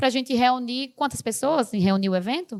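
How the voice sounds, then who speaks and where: With lively intonation, a woman speaks at a high pitch in a dry, close recording that has no echo and a silent background. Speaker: university professor. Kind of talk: lecture. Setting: stage with audience. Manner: fast.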